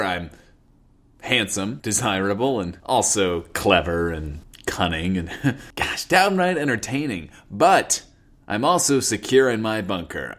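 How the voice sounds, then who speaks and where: Swooping low-voiced, smug male radio host. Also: a bit bright. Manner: smug, theatrical, self-adoring. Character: vain, flirtatious male post-apocalyptic radio host. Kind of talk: comedic radio monologue in an audio drama.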